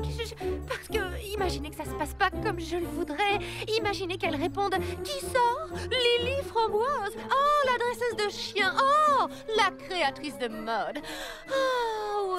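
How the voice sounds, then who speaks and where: An eager young cartoon girl, very high and swooping in pitch. She is nervous and dramatic, with a hesitant delivery, over loud music. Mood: dramatic imagining. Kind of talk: French cartoon dub acting.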